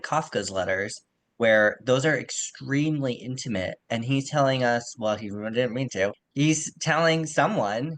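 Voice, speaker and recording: A man's voice: medium pitch, a bit bright. A man co-hosting a podcast, casually discussing literature in a conversational, self-qualifying way, on poor audio. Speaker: podcast co-host.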